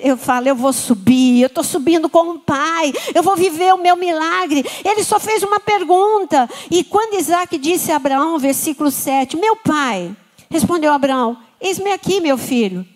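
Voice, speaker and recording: A woman's voice: high voice, a little mellow. A woman with a Brazilian Portuguese accent preaching a sermon with fervor and calling out to her congregation. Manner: fervent, call-and-response with the congregation.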